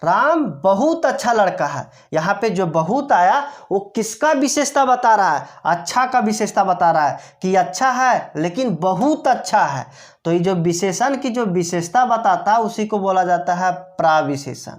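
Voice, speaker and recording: A woman's voice: mid-range voice, expressive, a little slow. A woman grammar teacher explaining step by step, asking rhetorical questions and answering them herself, repeating each key term. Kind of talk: classroom-style explanation.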